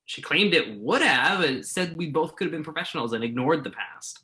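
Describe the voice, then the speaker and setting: Man acting a self-doubting, animated journalist. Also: fairly high pitch, normal speed. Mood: regretful. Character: remorseful male entertainment journalist, self-doubting, argumentative, earnest. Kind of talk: virtual staged play reading.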